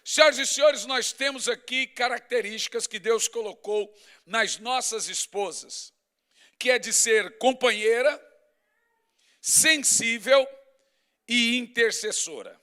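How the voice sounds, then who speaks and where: A middle-aged pastor delivers a sermon in an easy, conversational style, pressing his points through repetition. His voice sits high for a man and sounds bright and tense. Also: slow pace. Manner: conversational, emphatic preaching with lists and asides.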